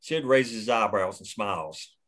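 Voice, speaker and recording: A man reading the action lines of a screenplay aloud at a table read, steady and plain. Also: on the low side, measured pace. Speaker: narrator reading stage directions.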